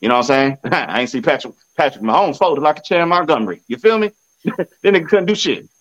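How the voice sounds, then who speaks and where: Brief: a boastful man hyping his team on a phone video, slightly high voice, muffled lo-fi sound. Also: lively intonation, quick pace. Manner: boastful, repetitive, swaggering trash talk. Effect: recorded on a phone. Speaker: sports fan vlogger. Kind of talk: casual football trash talk.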